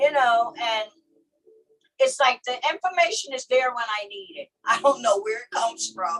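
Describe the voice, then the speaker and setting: A woman's high pitch at a moderate pace, with very wide pitch swings and big swings in loudness. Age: 70s. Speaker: chair workout instructor. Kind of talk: casual chat.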